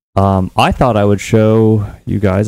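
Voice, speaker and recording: A man speaks at a moderate pace in a fairly low voice, with music in the background and a dry sound with no echo. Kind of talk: tutorial. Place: home room.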